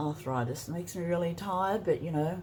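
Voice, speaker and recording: Her tone is dark and mellow, and somewhat breathy. The woman speaks at a moderate pace with ordinary pitch variation. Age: 70s. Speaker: crafting vlogger. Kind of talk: casual vlog monologue.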